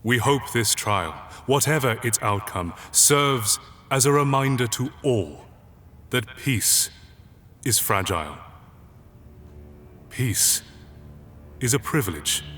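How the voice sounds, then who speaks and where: An actor playing a stern, controlled authoritarian leader who speaks in a measured, pompous, formal public-address manner. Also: male voice, medium pitch, lively intonation, a bit bright. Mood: solemn, commanding. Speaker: presiding official. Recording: long hall reverb, faint music behind.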